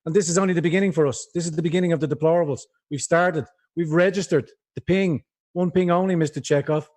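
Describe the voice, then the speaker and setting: A man's voice: a little high, steady tone, fast talker, a little mellow. A man with a Dublin accent, a guest on a livestream interview, talking in a rambling, impassioned way over a video call. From Ireland.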